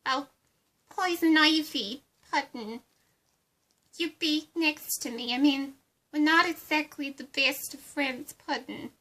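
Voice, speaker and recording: Giddy clown villainess, very high girlish voice, slow drawn-out phrasing, cutesy, brash, cartoonish roleplay. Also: sharp tone, full character voice. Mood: chatty, aggrieved. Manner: cutesy, singsong, pet-name-dropping. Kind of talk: amateur character roleplay.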